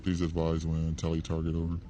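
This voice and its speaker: A clipped soldier over a helmet radio. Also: male voice, a bass voice, completely flat delivery, brisk, noisy background. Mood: businesslike. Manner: clipped military radio procedure. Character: terse male soldier on radio comms.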